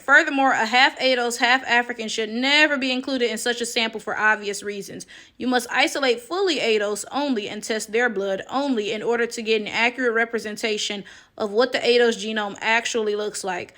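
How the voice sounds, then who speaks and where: Woman, forceful bright tone, raised pitch, casual commentary, incredulous and sassy. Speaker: online commentator.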